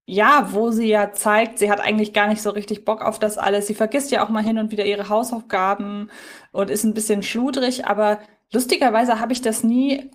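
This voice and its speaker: A woman's voice: medium pitch, little pitch movement, brisk. A woman chatting casually as a podcast host, giving a review.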